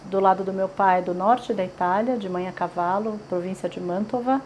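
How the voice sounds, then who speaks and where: A woman's voice: mid-range voice, normal speed, a little mellow, a little hiss or hum, rough recording. A woman in her forties from São Paulo with a paulistano accent, chatting in an oral history interview with many fillers and tag questions. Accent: Paulistano Brazilian Portuguese. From São Paulo, Brazil.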